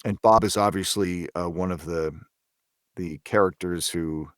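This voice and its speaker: A man with a low voice in a close, dry recording. He talks reflectively as an interview guest, feeling his way through each thought with stops and repeated words. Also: steady tone, clear, resonant tone, dry recording. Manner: hesitant, thoughtful, halting delivery with repeated words.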